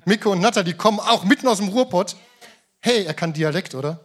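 A man preaching with a slightly husky voice. His voice sits a touch high for a man. He swings between loud emphatic bursts and soft, almost murmured asides. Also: lively intonation, fairly quick. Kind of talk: sermon. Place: church in Hamm.

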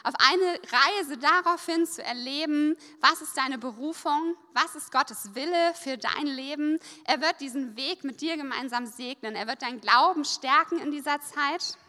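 Woman preacher, bright voice, casual and lively, echoey church hall. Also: high-pitched, moderate pace, hardly any pauses. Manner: lively and conversational, using casual interjections. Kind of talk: sermon, paused for an interpreter. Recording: long reverb of a church hall.

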